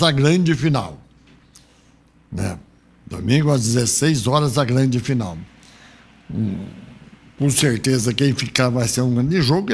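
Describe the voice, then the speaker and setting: Gravelly, chatty Brazilian radio host. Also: male voice, medium pitch. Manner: rambling, chatty, frequent "né?" asides. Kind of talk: casual radio sports chat. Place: radio studio.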